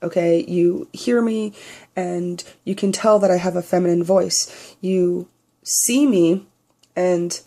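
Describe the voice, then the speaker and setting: Slow, gravelly-voiced young trans man. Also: fairly even intonation, warm tone. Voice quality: naturally high voice that he tries to pitch down. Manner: candid, blunt, swears freely. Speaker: vlogger. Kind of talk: personal video diary.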